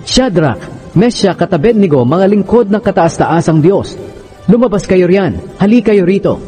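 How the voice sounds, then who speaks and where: A man's voice: sits high, big pitch swings, moderate pace, mellow, soft background music, voice pushed up. Man acting proud king, raised declamatory voice. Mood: astonished, calling out. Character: proud, astonished ancient Babylonian king, adult man. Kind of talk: dramatized scripture reading.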